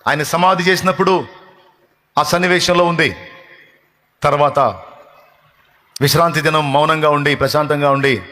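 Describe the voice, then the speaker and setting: A man's voice: a little high, sharp tone. Impassioned preacher man in an echoing hall. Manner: impassioned, builds through long repeated phrases. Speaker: pastor. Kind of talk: sermon.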